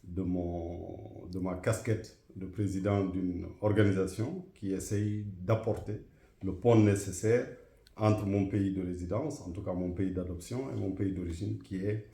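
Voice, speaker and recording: Man, from Guinea, middle-aged, formal, hesitant, warm dark tone, echoey room. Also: low-pitched, fairly even intonation. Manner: measured, formal, with frequent hesitations. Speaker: interview guest, association president. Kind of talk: formal interview answers.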